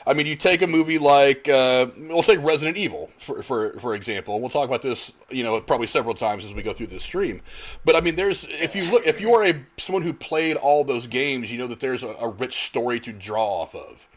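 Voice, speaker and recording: A man's voice: mid-range voice, a little fast. Man moderating a casual panel chat. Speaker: podcast host moderating a discussion.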